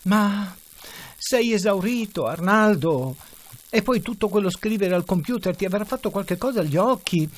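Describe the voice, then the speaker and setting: A man's voice: sits high, lively intonation, moderate pace, voice pushed up. A man voicing a patient, wry middle-aged wife who speaks dryly and with exasperation. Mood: exasperated. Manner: dry and exasperated. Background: faint music.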